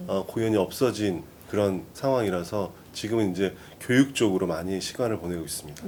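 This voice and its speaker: Fairly low in pitch, a man speaks at a fairly quick pace with ordinary pitch variation. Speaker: opera singer, vocal coach. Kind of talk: interview answer.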